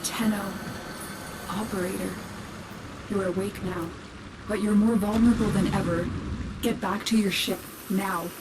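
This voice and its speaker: A woman playing a protective guide and commander in a video game, giving measured, earnest instructions. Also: mid-range voice, steady tone, noisy background, natural voice. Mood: concerned, guiding. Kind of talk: dramatic video game acting. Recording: loud dramatic music behind.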